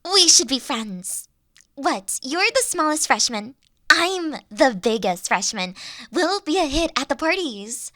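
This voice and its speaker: A woman playing a high-pitched, awkward, nerdy young dragon girl. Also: very animated, a little slow, pushed and bright, no echo, clean studio sound, full character voice. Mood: eager, friendly. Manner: bubbly, awkward, hesitant, giggly. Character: huge, nerdy, friendly young female dragon college student. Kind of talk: roleplay audio drama addressed to the listener.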